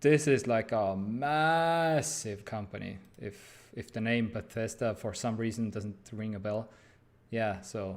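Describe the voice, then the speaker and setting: A man at medium pitch with a European accent, very slow in pace, with ordinary pitch variation and a very clean recording over a silent background. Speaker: tech news show host. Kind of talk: casual chat. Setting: live stream. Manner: hesitant, many fillers.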